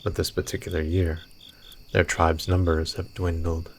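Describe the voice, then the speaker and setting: A man with a gravelly voice narrating a scripted fantasy tale as a storyteller. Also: deep voice, little pitch movement, normal speed. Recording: noisy, with cricket and insect ambience.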